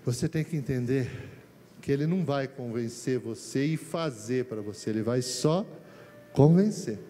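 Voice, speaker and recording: A man with a Brazilian Portuguese accent preaching a sermon, telling stories and swinging between quiet low asides and high excited bursts. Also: moderate pace, a little hiss or hum. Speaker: pastor. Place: church. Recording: music behind the voice. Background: worship music playing.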